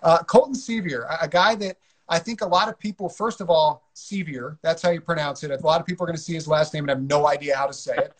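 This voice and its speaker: Host guy on a hockey podcast, kinda high voice, steady and measured. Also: rough recording. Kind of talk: casual hockey chat.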